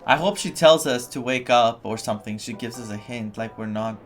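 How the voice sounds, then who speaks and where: A man's voice: mid-range voice, fairly quick, soft background music. A man streaming a video game, reacting casually with incredulous, repetitive muttering.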